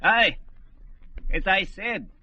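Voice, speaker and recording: An old white-bearded sorcerer who speaks slowly in a high, swooping, bright voice. The theatrical old-time radio delivery sits on a dull recording with faint music underneath. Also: male voice, animated, exaggerated voice. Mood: wry, courtly. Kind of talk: 1940s radio acting.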